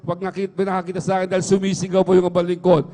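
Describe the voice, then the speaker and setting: A middle-aged man with a high, mellow voice gives an earnest spoken testimony at a church worship service, talking very fast in a completely flat delivery. He keeps addressing the congregation as "mga minamahal" over and over. It's a livestream from a church hall with long hall reverb.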